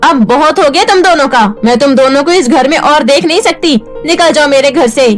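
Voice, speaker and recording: A woman's voice: brisk, soft background music, close to an everyday voice. A woman voicing a harsh, bossy stepmother in a cartoon story, scolding sharply. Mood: angry scolding. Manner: shrill, bossy, cruel scolding.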